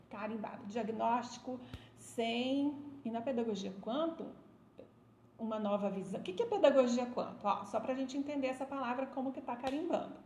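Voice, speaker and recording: Middle-aged woman teaching on a live stream, keeps saying "right?" to viewers, echoey room with faint background hum. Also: high-pitched. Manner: warm, emphatic, addresses viewers directly with frequent "né?" and "olha só". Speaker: educator hosting a live stream. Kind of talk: live-stream talk on education.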